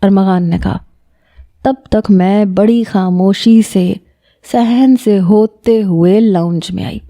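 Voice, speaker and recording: A woman with a mellow, warm voice reads a first-person romance novel aloud. Her storytelling is calm and measured. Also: medium pitch. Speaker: narrator.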